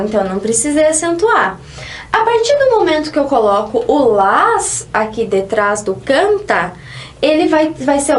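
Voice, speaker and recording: High-voiced woman teaching Spanish. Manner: explanatory, slow, stresses example sentences. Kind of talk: online language lesson.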